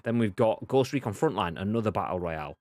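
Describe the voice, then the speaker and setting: Animated, mocking male podcast host. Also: fairly low pitch, fast, no echo. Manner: animated, mocking, swears, acts out both sides. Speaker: podcast host reading chat. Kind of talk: casual chat.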